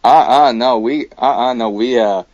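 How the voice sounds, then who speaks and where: The speaker is an American man appearing as a guest in a casual chat. His voice is medium in pitch with a darkish tone and a moderate pace. He's halting and full of fillers but blunt in his views, captured in dull, dry lo-fi audio with no room sound.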